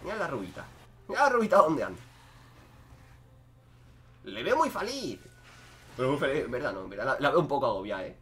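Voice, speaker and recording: Young man, gameplay commentary, excitable and joking, wildly lively pitch. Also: fairly quick, long pauses, faint music behind. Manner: excitable, joking, swings between loud outbursts and muttering. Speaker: gaming streamer.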